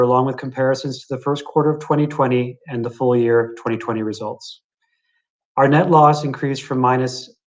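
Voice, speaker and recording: A man with a foreign accent presenting prepared financial figures as chief financial officer, clear and orderly. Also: medium pitch. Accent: non-native English, foreign to Denmark.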